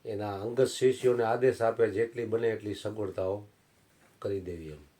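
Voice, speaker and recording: A man's voice: fairly low pitch, steady tone, normal speed, dark tone. A man telling folksy anecdotes in a satsang sermon. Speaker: preacher.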